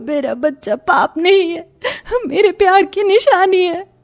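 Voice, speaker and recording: A woman voicing a timid young woman in a cartoon, speaking in a soft, hesitant, stammering way. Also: very high voice, animated, unhurried, heavily acted. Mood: crying.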